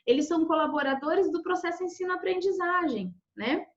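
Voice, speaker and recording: High-voiced woman moderating a live talk. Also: animated, a little fast, echoey room, dull audio. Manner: reassuring, with frequent tag questions. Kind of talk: casual live discussion, reading viewer comments.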